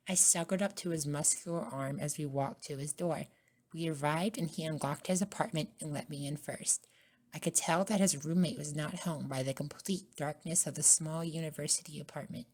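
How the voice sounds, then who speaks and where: A woman narrating a scripted first-person ASMR story in a soft-spoken way. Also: low-pitched. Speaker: narrator and voice actor.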